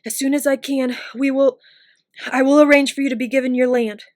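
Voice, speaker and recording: A woman's voice: sits high, steady tone, a little fast, no room sound, clean studio sound, lightly acted. A woman voicing an anxious young man, urgent. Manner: urgent, pleading. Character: anxious young male mage hero.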